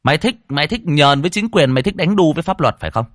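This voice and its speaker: A swaggering young exorcist taunts and threatens with rough bravado, as a man acts it out. His voice sits fairly low but leaps about with lively emphasis. The sound is close and dry. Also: moderate pace, no echo. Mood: mocking taunt. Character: brash young male ghost exorcist, cocky and rough.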